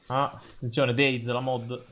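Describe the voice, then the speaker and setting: A man's voice: medium pitch, flat delivery, unhurried, background noise. A man talking casually and insistently as a co-player on a game livestream, often repeating himself. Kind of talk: casual gameplay banter.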